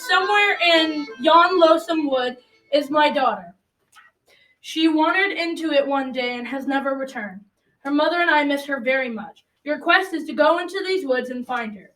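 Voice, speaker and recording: Teen girl doing a stern black knight, old-timey formal talk, high voice, roomy and off mic. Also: normal speed, fairly bright tone, far from the mic, faint music behind. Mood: grave. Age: teenager. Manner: formal archaic speech. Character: formidable male Black Knight, stern challenger and grieving father. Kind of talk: amateur school radio drama acting. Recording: echoey room, off the mic.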